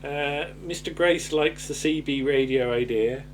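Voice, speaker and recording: A man's voice: fairly high pitch, measured pace, slight background noise. A man, chatting casually and a little hesitantly as a podcast host recapping a TV show. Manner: hesitant, rambling, chuckling delivery. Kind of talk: casual chat recapping a television sitcom episode.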